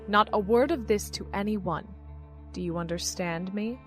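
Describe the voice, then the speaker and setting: Female commander played by an actress, audio drama: enigmatic, controlled, condescending, medium pitch, quiet score underneath. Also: moderate pace, faint music behind, lightly acted. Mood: cool, knowing. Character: cool, secretive woman in command, knowing and condescending.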